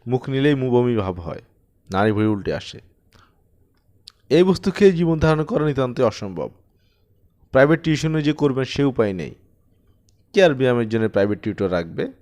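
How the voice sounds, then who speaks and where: A man reading a short story as an audiobook narrator, in an expressive storytelling style. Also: medium pitch, normal speed, long pauses.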